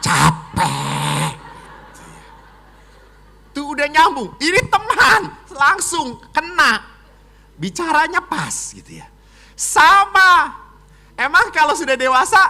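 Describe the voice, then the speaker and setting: A middle-aged man delivers a Catholic homily with a high, bright voice. His pitch leaps and falls dramatically, moving from loud exclamations to hushed, whispered asides. He keeps things playful with jokes. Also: very animated, unhurried. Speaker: Catholic priest. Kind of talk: lively homily.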